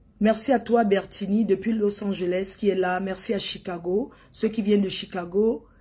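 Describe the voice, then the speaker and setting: A woman's somewhat breathy voice, dark and mellow in tone, with fairly even intonation. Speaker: event promoter host. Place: home room. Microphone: phone near.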